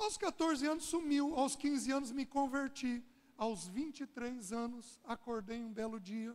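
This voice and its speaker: Speaking at a fairly slow pace, a man has an extremely high pitch with ordinary pitch variation. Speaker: guest preacher. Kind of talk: sermon testimony.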